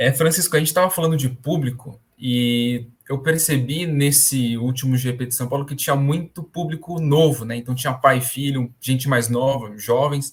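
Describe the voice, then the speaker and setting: Somewhat breathy speech at a moderate pace, with fairly even intonation. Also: man, fairly high pitch for a man. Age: young. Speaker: sports journalist. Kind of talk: interview.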